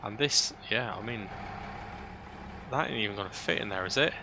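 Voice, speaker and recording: A British gaming video host with a lowish voice chats through his gameplay at a moderate pace, thinking out loud and frequently adding questions to the end of his own remarks. The recording is noisy, with an engine-like hum resembling a vehicle.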